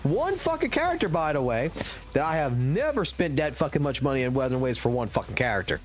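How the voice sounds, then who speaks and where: A man's voice: fairly high pitch, sing-song, fast. Thirty-something guy ranting on stream, cussing a lot, voice jumping all over the place, bit of music in the back. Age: 30s. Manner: profane, ranting, emphatic. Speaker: livestreamer. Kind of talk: casual gaming stream rant.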